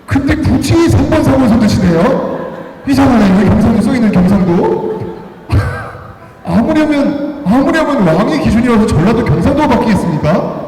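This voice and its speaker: A man lectures in a large hall, his high voice swinging up and down as he quizzes the crowd and counts their raised hands. His tone is mellow, and long reverb trails every phrase. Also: far from the mic, slight background noise. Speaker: history lecturer. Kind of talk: live lecture to an audience.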